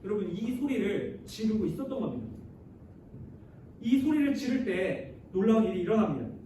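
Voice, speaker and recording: A man's voice: high voice, animated, normal speed, warm tone, recorded from a distance. A man preaching a sermon as youth pastor, addressing the listeners often with questions and leading them in reading scripture aloud, recorded in a large church hall. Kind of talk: sermon to high school students. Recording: very echoey hall, voice heard from afar, faint noise.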